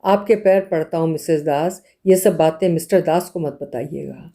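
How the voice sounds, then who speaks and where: A woman voicing a young bridegroom in an audiobook, gentle and pleading, asking soft coaxing questions. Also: low voice, moderate pace. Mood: sorrowful.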